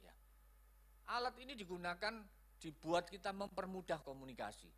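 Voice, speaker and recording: A man's voice: sits high, very animated, normal speed, fairly bright tone. A man preaching a sermon as pastor, acting out quoted lines in changed voices. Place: church hall.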